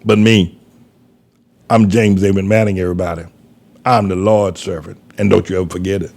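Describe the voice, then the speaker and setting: A man's voice: low-pitched, fairly even intonation, normal speed, gravelly, a little mellow. An older man from North Carolina, preaching in an emphatic, repetitive, folksy way as a pastor giving commentary. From North Carolina, USA.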